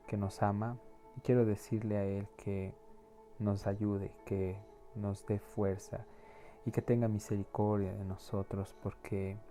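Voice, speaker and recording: A low, very dark and mellow male voice delivers an earnest, pleading sermon, often stumbling and repeating words as he searches for them. Soft music plays faintly behind him. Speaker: preacher. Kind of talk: sermon and closing prayer.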